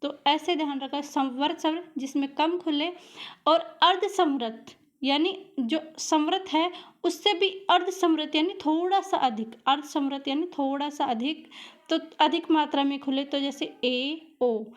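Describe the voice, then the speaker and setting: A woman teacher giving a grammar lesson for exam students, patiently repeating each question and then answering it herself. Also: sits high. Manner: patient, drills vowel sounds aloud.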